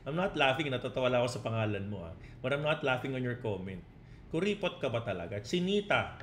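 A man's voice: medium pitch, sing-song, quick pace, fairly bright tone, a little hiss or hum. Man asking 'no?' after every point. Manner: mixes Tagalog and English, keeps asking 'no?' and 'di ba?'. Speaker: crypto trading coach. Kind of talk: casual live stream, reading out chat comments.

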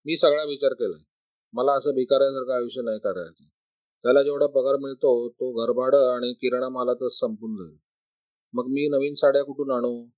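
A man's voice: medium pitch, natural voice. A man voicing a vain, blunt young woman who talks with scorn and boasts. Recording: dry, slightly dull recording.

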